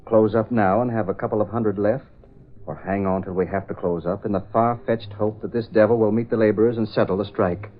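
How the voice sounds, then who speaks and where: Weary ruined shop owner played by a man, low voice, resigned, muffled lo-fi 1930s radio. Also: fairly even intonation, brisk, faint music behind, close to an everyday voice. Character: despairing middle-aged male shop owner. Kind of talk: 1930s radio drama acting. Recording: muffled old radio recording.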